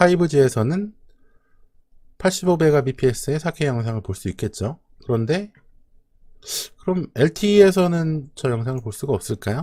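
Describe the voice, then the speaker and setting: A somewhat breathy man at a moderate pace with long, frequent pauses and very wide pitch swings, on a very clean recording with a silent background. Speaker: tech explainer YouTuber. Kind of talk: casual explainer talk to camera.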